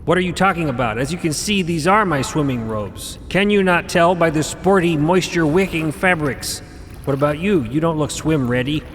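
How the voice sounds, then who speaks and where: A flowery, eccentric robed elder, reverberant. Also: male voice, fairly high pitch, expressive, moderate pace, fairly bright tone, slight background noise. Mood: breezy, playful. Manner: formal, flowery, theatrical diction. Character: eccentric elder robed mother-figure, male, grandparental, breezy and cryptic. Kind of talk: audio drama acting.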